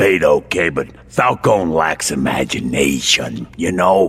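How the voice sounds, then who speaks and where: In a put-on character voice, a man sounds raspy and very deep as he talks at a fairly slow pace with lively intonation over music in the background. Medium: audio drama. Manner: hesitant, ungrammatical street talk.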